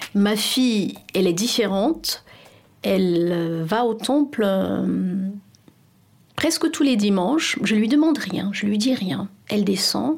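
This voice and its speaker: Against noticeable background noise, a woman speaks at a very slow pace with long, frequent pauses, a medium pitch, lively intonation and very even loudness. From Cameroon. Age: 40s. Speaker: pastor. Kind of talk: testimony. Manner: hesitant, frequent filler sounds.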